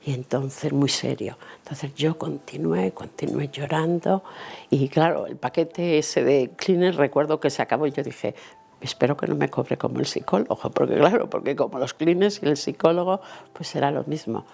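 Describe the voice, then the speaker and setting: A woman's voice: sits low, normal speed, vocal fry, a little mellow, breathy edge. A middle-aged woman tells a personal faith story, acting out the dialogue vividly. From Italy and Spain. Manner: vivid, acts out dialogue and inner thoughts. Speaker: interviewee giving a faith testimony.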